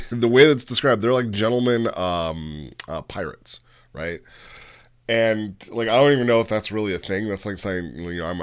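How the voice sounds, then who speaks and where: Low-voiced man giving a casual rambling review. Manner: rambling and halting, often checking with "right?". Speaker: host reviewing roleplay logs. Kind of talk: casual off-the-cuff review commentary.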